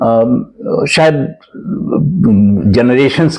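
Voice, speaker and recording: Pitch swings very widely as a man talks. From India, Ayodhya region. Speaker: journalist and author. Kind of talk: interview.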